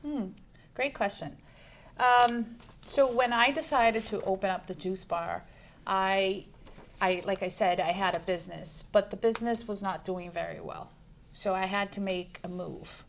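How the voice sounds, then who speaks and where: A woman's voice: mid-range voice, steady tone, measured pace, slight background noise. A woman in her forties from Brazil, a juice bar owner, answering interview questions in a chatty way, full of ums and restarts. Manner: chatty, lists things with many ums and restarts.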